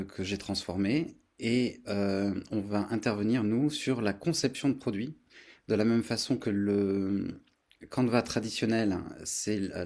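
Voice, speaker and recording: A man hosting a workshop, explaining things to a group spontaneously in a halting, searching way. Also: lowish voice, darkish tone. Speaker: workshop host and facilitator. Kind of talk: spontaneous presentation to an online group.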